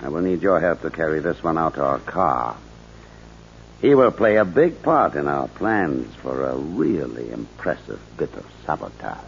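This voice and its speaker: An actor playing a cold, sardonic foreign spy ringleader in a 1950s radio drama, speaking formally with measured, menacing politeness. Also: male voice, a bass voice, big pitch swings, vocal fry, exaggerated voice. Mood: sardonic command. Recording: muffled, noisy 1950s radio recording.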